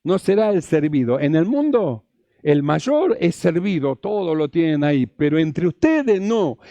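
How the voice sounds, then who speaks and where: A man's voice: fairly high pitch, sing-song, unhurried, warm tone, no echo, highs cut off. A male pastor, preaching a sermon, repeating phrases and asking the congregation rhetorical questions.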